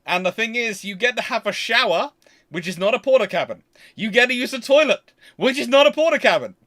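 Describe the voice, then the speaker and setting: A British man hosting a casual question-and-answer livestream, talking in a rambling, halting way and often repeating and rephrasing himself. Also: very high-pitched, animated, a bit bright.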